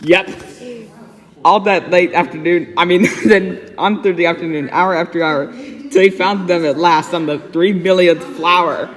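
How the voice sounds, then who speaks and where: A man's voice: sits high, steady tone, normal speed. A man giving a dramatic reading of a rhyming children's storybook, stumbling a little over words. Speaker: storybook reader. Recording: echoey, very reverberant room.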